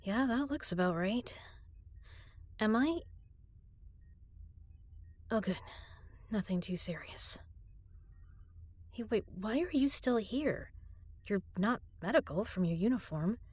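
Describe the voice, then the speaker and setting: A young woman performing an intimate audio drama as a frightened prisoner, speaking softly and often in a whisper. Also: mid-range voice, expressive, slow, long pauses. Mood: tender. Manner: soft, breathy, often whispered.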